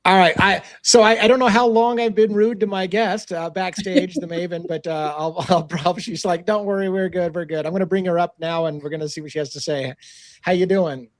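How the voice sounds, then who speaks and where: A man hosting a livestream, talking in an excitable, casual way and swearing freely. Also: high-pitched, a little fast, no room sound, clean studio sound. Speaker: livestream host.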